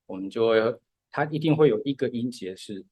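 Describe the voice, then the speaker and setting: A man talks through musical ideas at an unhurried, patient pace, often dropping in short words of agreement. His voice is mid-pitched. It is recorded close and dry, with no room sound. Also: expressive, a little mellow, slightly rough, no room sound. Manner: patient step-by-step explaining, often says "对". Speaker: podcast co-host explaining music. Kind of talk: casual podcast chat.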